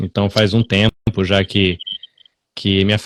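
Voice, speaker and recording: A man with a plain, everyday voice, fairly low pitch and fairly even intonation at a moderate pace, in a dry, close sound with no echo and a very clean recording with a silent background. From Brazil, Salvador (Bahia). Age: 40s. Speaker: podcaster and communicator in immigrant community. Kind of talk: interview.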